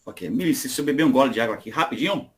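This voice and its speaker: A man's voice: mid-range voice, lively intonation, racing, slight background noise. Bahian man giving an informal spiritual talk. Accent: Bahian Brazilian. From Salvador, Bahia, Brazil. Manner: conversational, frequent tag questions. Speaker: guest speaker at a Spiritist study meeting. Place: online meeting.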